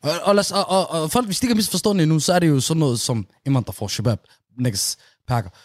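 A man's voice: fairly high pitch, no echo, studio quality. A young man co-hosting a casual podcast chat, telling stories with lots of laughter. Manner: animated, laughing, storytelling. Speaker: podcast co-host.

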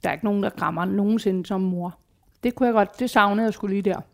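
A woman in her forties, appearing as a guest, chats casually and candidly in a mid-range voice with vocal fry. She tells personal stories, swearing and acting out quotes along the way.

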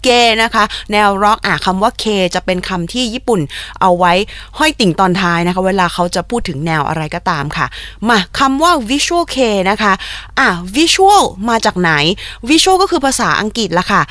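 A chatty young woman hosts a casual explainer podcast on a close mic. Her voice sits at a middle pitch and sounds dry, with no room around it. She keeps things playful, repeats soft polite particles and mixes in Japanese words. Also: expressive, normal speed, hardly any pauses, no room sound. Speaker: podcast host.

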